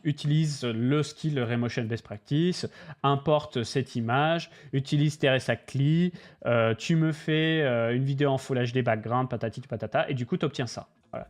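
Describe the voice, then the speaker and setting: A man hosting a livestream, talking casually, bluntly and animatedly, with lots of slang and swearing. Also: mid-range voice. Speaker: crypto channel host.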